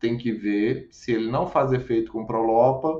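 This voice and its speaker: A plain, everyday voice. It moves at a fairly slow pace. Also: man. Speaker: doctor, clinic director. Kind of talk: live-stream medical lecture with Q&A. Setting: live stream.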